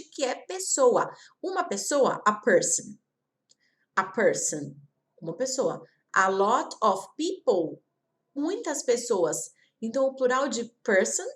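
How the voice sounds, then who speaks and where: A woman from Brazil teaching an online English lesson, repeating example words slowly and talking straight to her viewers. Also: a little high. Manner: slow, careful repetition of example words; chatty, addresses viewers directly.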